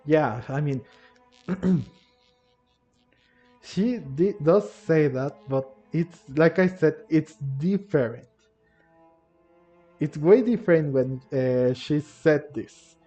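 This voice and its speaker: A man with a Hispanic Spanish accent gives casual game commentary, speaking in a halting way and often rephrasing himself. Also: on the high side, mellow. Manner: halting, repeats and rephrases himself, switches languages. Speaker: gameplay commentator. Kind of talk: casual game commentary explaining story dialogue. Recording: dull lo-fi mic over game music. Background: game music.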